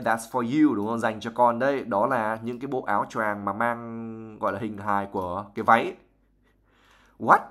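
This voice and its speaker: A young man, a native Vietnamese speaker, teaches English vocabulary to his live-stream viewers. He works through a novel passage by passage, reading aloud and then explaining each word in a chatty, patient way. His voice sits at an ordinary middle pitch. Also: fairly bright tone. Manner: reads passages, then explains words at length.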